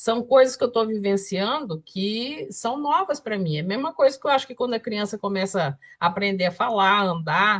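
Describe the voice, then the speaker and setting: A woman speaks at a moderate pace in a fairly high pitch. Her intonation is lively, with hardly any pauses. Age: 60s. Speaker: study group participant. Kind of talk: group discussion. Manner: halting.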